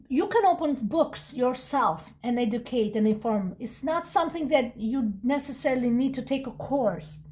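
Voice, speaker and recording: A woman's voice: high-pitched, a little mellow. A woman with a non-native English accent giving a casual, rambling tarot reading, full of restarts and asides. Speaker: tarot reader.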